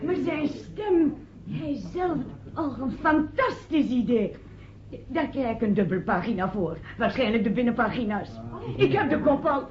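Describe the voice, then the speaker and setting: Opgewonden journaliste, hoge levendige stem. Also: female voice, on the high side, animated, measured pace, long pauses. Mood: thrilled, scheming. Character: excited, opportunistic woman journalist. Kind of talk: Dutch radio play acting. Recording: muffled old radio play, faint noise.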